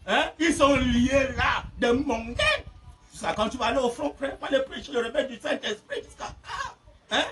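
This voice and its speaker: High-pitched, shouting preacher. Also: male voice, moderate pace. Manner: impassioned, shouting, laughing between phrases. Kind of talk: fiery sermon. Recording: distant mic with faint noise.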